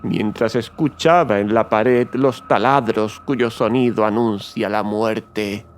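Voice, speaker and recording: An actor playing a mad, gloating murderer who confesses in a theatrical horror audiobook, swinging between hushed and agitated delivery. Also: male voice, on the low side, takes it slowly, slight background noise. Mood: gloating, brooding. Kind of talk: dramatic horror audiobook narration.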